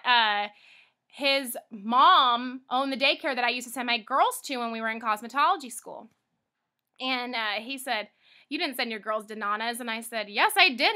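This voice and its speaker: A woman in her thirties, a weight-loss coach, talking straight to camera in an emphatic, exclamatory way, moving between loud pep talk and soft confession. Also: sits high. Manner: emphatic, exclamatory, pleading with the viewer. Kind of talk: casual direct-to-camera testimonial.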